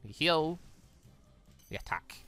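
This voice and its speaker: A gaming host with an expressive, slightly bright mid-range voice takes it slowly, rambling and thinking aloud move by move in excitable let's play commentary, also reading dialogue aloud. His voice is dry and close over game music.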